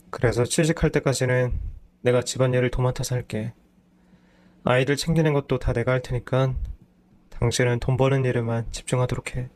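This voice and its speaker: A man's voice: medium pitch, a little mellow, close to an everyday voice. Man doing a whiny, lazy husband. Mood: earnest. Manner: whiny, defensive. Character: lazy, self-pitying unemployed husband.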